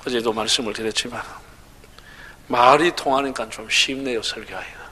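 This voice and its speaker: A man's voice: medium pitch, fairly even intonation, moderate pace, pushed and bright, slight background noise. A man preaching at a revival meeting with a Gyeongsang accent, chatty and humorous, joking with the congregation. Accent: Gyeongsang Korean. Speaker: pastor. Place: large church sanctuary. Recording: reverberant church hall.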